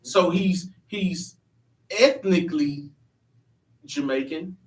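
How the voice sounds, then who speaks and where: A man's voice: on the high side, takes it slowly. A man hosting a church panel discussion, talking earnestly and emphatically, often restarting his sentences. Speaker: panel host. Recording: echoey room, mic at a distance.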